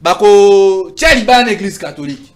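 A man's voice: high voice, moderate pace. A man in his thirties arguing politics in a heated TV studio debate, gesturing a lot and stumbling over repeated syllables. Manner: animated, gesturing, stammering restarts. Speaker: political commentator. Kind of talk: heated talk-show debate. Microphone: lapel.

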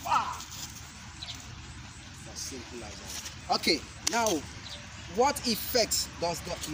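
Young man, self-defense instructor, slightly high voice, slow careful explanations, sharp strike cries, outdoor camera recording. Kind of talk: demonstrating self-defense moves. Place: outdoor concrete court. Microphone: camera mic at a distance. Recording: outdoor noise from a camera mic.

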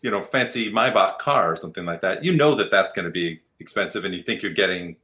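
A man's voice: low-pitched, fast talker, pushed and bright. A middle-aged man hosting a guessing game show as its host over a video call. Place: home room on a video call.

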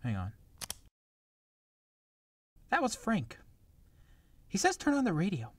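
An actor playing a tense, weary young hitman in an amateur radio drama, moving between hushed talk and shouting. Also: sits high, wildly swooping pitch, takes it slowly, very noisy, exaggerated voice. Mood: grim.

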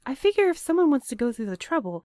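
A woman's voice: high-pitched, sing-song, fast talker, darkish tone, no echo. An actress playing a drowsy, teasing, wary young woman who banters dryly in an audio drama. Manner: dry, bantering.

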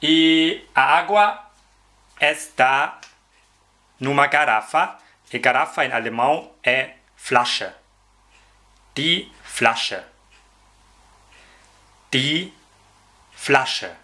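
Guy teaching words super slow, says each one over and over, bright clear voice. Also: mid-range voice. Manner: repeats each word slowly several times, carefully enunciated. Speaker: German language teacher. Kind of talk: slow, repetitive vocabulary lesson.

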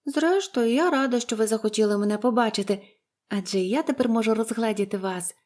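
A woman's voice: fairly quick, lightly acted. A woman voicing a cheerful, chatty young orphan girl who talks eagerly and gushes in a storybook reading. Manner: eager, gushing, high and bright.

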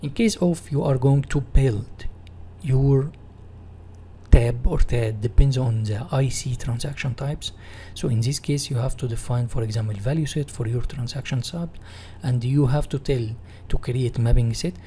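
Mellow-voiced Egyptian man teaching, noisy recording. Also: medium pitch, measured pace. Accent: Egyptian Arabic. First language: Arabic. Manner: repeats and rephrases in non-native English. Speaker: instructor. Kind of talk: software tutorial reading slides and explaining.

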